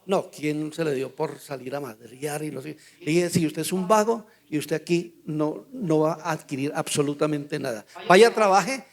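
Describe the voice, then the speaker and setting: Older colombian pastor, fairly high voice, tells stories and acts out the dialogue. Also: male voice, normal speed, gravelly, few pauses, a little mellow. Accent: Colombian Spanish. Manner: storytelling, acts out dialogue in quotes. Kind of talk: Bible study teaching with anecdotes.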